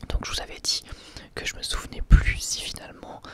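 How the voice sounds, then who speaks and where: A man speaks in a soft, breathy whisper, as in an ASMR video. His delivery is informal and halting, as he often searches for the next phrase and corrects himself. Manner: hesitant, halting phrasing with frequent self-corrections. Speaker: ASMR video host reviewing anime. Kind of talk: whispered ASMR review, unscripted.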